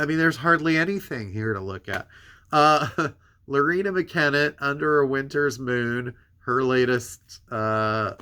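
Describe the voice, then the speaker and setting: A man with a bright, forward voice that sounds congested and a bit worn out. He talks like the host of a casual new-release show, rambling from item to item with offhand, self-deprecating asides. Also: medium pitch, clear, resonant tone. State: tired voice giving out. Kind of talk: casual rambling product rundown to camera.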